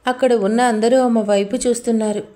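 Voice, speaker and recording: A woman's voice: on the high side, fairly even intonation, a little fast, warm tone. A woman narrating a romantic audio story in a scripted, dramatic, emotional way.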